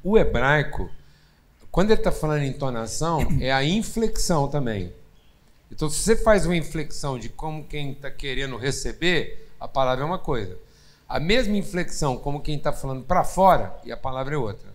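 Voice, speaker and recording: A man with a Brazilian Portuguese accent who talks about faith in conversation and backs up his co-speaker with quick agreement. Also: on the high side, lively intonation. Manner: affirming, chimes in with agreement. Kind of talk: conversational Bible teaching.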